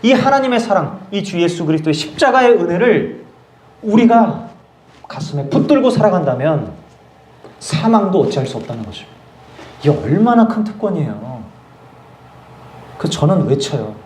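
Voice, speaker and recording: A man preaching a sermon as pastor, telling a personal testimony in a lively storytelling way and acting out his own prayers. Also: sits high, moderate pace, pauses often, echoey room. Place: church service.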